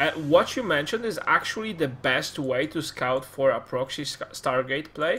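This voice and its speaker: At a moderate pace, a man talks in a non-native accent. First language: not English. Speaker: esports caster. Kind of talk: live commentary.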